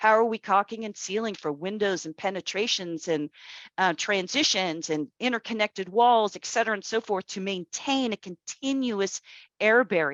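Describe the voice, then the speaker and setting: Here is an ordinary speaking voice from a woman, pitched at a medium level. She keeps a moderate pace with ordinary pitch variation. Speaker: energy code consultant and trainer. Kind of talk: webinar lecture.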